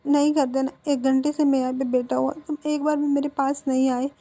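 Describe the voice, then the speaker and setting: A woman voicing a pouting, clingy young man who whines and reproaches in a soft storyteller's voice. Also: high voice, little pitch movement, fairly quick. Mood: tearful. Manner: whiny, reproachful.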